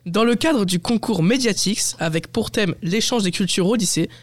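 A man's voice: sits high, normal speed, dry recording. A teenage boy hosting a school radio show, reading a formal introduction aloud. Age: teens. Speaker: host.

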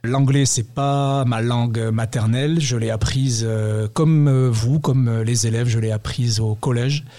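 A man who teaches English, answering interview questions in a measured, thoughtful way. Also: mid-range voice, steady tone, dark tone, no room sound.

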